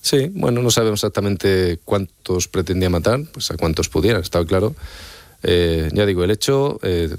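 A man's voice: low-pitched, lively intonation, normal speed, no echo. A man from Extremadura, an author being interviewed, explaining his research earnestly and often checking in with his listener. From Extremadura, Spain. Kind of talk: radio-style interview answers.

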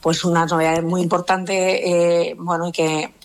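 A woman university official speaking in a recorded interview clip, measured, with frequent fillers and tag questions. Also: fairly low pitch, flat delivery.

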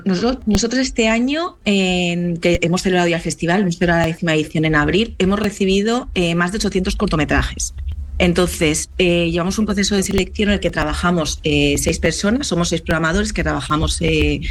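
A woman's voice: lowish voice, fairly quick, slight background noise. A woman who organizes a film festival, talking chattily as a podcast guest and often ending with tag questions. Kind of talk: casual discussion.

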